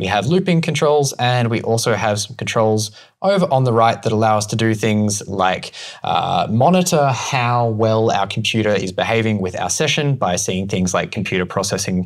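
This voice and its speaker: A man speaks at a moderate speed. Behind him, all is quiet. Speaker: music software instructor. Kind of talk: tutorial. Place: home room.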